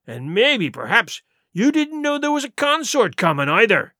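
Picture a sly, forceful old ship's cook turned pirate leader, as a man reading aloud does him. He growls threats and scorn in rough sailor's speech, in a high, bright voice that leaps up and down. The sound is dry and close. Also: wildly swooping pitch, normal speed, dry recording, exaggerated voice. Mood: menacing.

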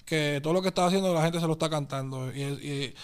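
Puerto Rican man, interview guest, high clear voice, rapid-fire slangy chat. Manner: fast, animated street slang, calls listener papi and brother. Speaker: guest artist.

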